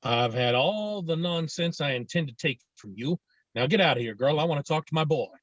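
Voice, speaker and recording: A man's voice: a little high, lively intonation, fairly quick, a bit bright, no echo, muffled recording. A man acting a proud, domineering father who presses his son, in a table read of a drama script. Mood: stern, insistent. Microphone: video call microphone.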